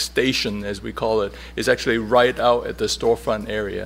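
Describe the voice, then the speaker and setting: A man talks at a fairly quick pace. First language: not English. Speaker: architect. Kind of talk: design presentation at public hearing. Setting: council chambers meeting.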